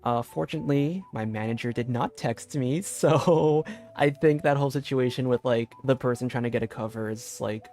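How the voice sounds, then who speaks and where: A man streams a game and chats casually. His voice sits at a medium pitch, with faint music in the background. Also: moderate pace, hardly any pauses, a little mellow. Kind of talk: casual livestream chat.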